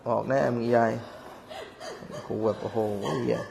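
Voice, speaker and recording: A man's voice: medium pitch, little pitch movement, a little slow, gravelly, a crowd in the background. A man working as an exorcist, scolding and teasing a spirit in a coarse, profane way, pressing it with repeated questions. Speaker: exorcist master at a shrine.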